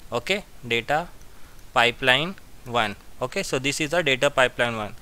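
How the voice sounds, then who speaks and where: A man giving a step-by-step software tutorial as an instructor, repeating his phrases as he goes. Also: mid-range voice, lively intonation, normal speed, clean tone. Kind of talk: screen-share software tutorial.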